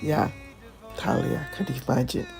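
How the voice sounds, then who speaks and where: A woman hosting a cooking video, chatty and hoarse from a flu, often checking in with "okay?". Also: normal speed, darkish tone, faint music behind. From Ghana. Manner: chatty, repeats phrases, asks "okay?" often. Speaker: cooking channel host. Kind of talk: casual cooking tutorial.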